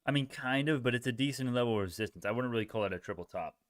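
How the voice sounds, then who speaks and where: A man's voice: medium pitch, rapid-fire, no room sound, studio quality. A young man hosting a casual live stock-trading stream, reacting to chat in informal bro slang and often repeating himself as he thinks aloud. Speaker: livestream host, retail stock trader.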